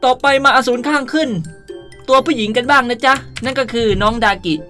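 Young male, bright sharp tone, playful gaming host, casual tutorial delivery, music in the background. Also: very high-pitched, brisk. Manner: playful, animated, uses cutesy polite sentence endings.

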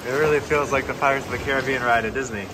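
A man's voice: mid-range voice, steady tone, racing. Laid-back man vlogging over boat noise. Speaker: sailing vlogger. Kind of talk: casual vlog narration. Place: outdoors on a small sailboat at sea. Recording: noisy boat outdoors, engine and water. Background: boat and water noise.

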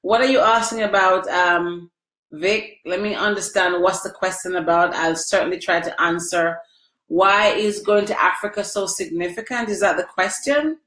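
In a casual live video chat, a middle-aged woman sits close to her webcam in a small, echoey room at home, answering viewers by name. She's emotional and sniffly from crying, and her voice is on the low side with a fairly bright tone at normal speed.

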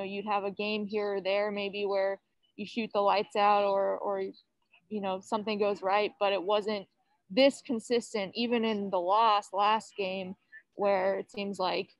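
A woman reporter asks long, winding questions in a middle-pitched voice. Her line sounds dull and lo-fi. It is very dry, with no room sound at all. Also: no room sound. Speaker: sports reporter. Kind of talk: press conference questions.

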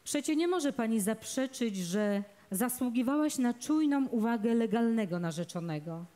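A woman's voice: a little high, lively intonation, normal speed, warm tone, natural voice. A woman voicing a jealous young man, the fiancé, who speaks in a cold, mocking way. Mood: sneering. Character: jealous young male fiancé, sneering and spiteful.

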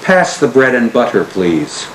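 A man's voice: medium pitch, very animated, measured pace, a little hiss or hum. Man reading plain sentences in an echoey room. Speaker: researcher reading test sentences. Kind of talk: reading test sentences aloud. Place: small lab room indoors.

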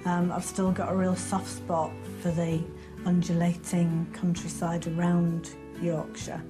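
A woman in her fifties from Leeds, reflective and soft-spoken in an interview at home, on a lapel mic. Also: fairly low pitch, monotone, a little slow, over music. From Leeds, England. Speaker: house-hunting guest. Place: indoors at home, living room.

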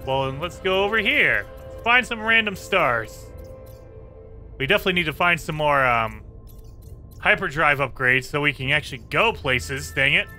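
Raspy kinda hoarse guy talking through a space game, bright punchy voice, a bit high, quiet game music under him. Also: lively intonation, moderate pace. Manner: chatty, talks to viewers while playing. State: slightly hoarse. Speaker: gaming channel host. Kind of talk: casual gameplay commentary.

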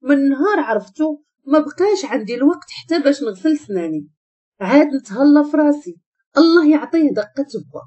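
Brief: Moroccan woman storyteller, warm husky voice, fairly high and animated. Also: fairly quick, highs cut off. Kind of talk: first-person story narration.

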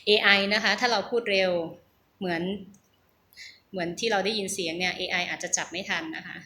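Speaking fairly quickly in a low, sharp-toned voice, a middle-aged Thai woman chats casually about practicing English, working on pronunciation in a vlog. She falters, says words again, and laughs at her own attempts, and the room echoes with a faint hum.

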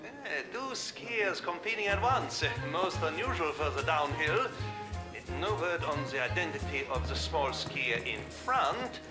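A male TV sports announcer in a cartoon, calling a ski race in a halting commentary style. The voice rings with echo over prominent music. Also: on the high side, big pitch swings. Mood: astonished, announcing. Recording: echoing, loud music behind.

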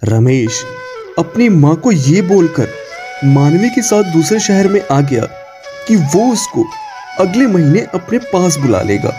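A man's voice: a little high, big pitch swings, slow, over music. A man narrating a cartoon moral story and voicing the husband, firm and reproachful in his lines.

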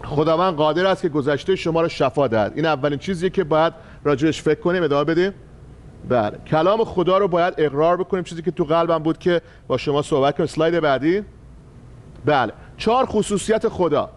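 Persian-speaking male pastor preaching a sermon. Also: on the high side. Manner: teaching with slides, repeating key phrases.

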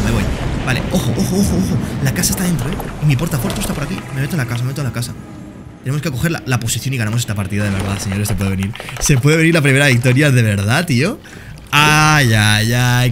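A young man giving excited, jokey commentary over his own gameplay, talking straight to his viewers. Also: medium pitch, very noisy. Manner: excitable, talks to viewers as "señores" and "tío", jokey. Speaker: gaming streamer.

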